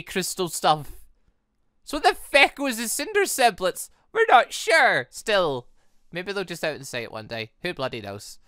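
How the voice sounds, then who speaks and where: A British man gives rambling, casual commentary on a visual novel playthrough. His voice is bright and forward, with pitch that swings around in an animated way. The sound is close and dry. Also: clear, resonant tone, dry recording. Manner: rambling, musing aloud. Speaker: gaming video host.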